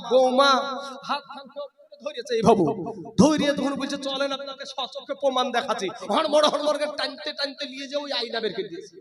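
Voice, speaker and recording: High-voiced man preaching in a sing-song. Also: sharp tone. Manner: sing-song chanting, emotional appeals. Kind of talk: sermon with storytelling and chanted appeals. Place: religious gathering. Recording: echoey hall.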